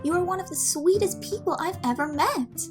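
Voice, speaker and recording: A gentle young servant woman, acted by a woman with a distinctly high voice, speaking over clear background music. She is careful, earnest and reassuring, in the style of an audio drama. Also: animated, moderate pace. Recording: music under the voice.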